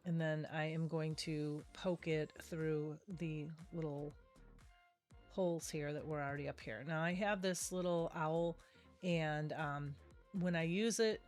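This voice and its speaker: Nasal middle-aged woman with a cold. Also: deep voice. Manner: chatty, rambling, self-correcting. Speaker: craft video host. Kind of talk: casual craft tutorial voice-over.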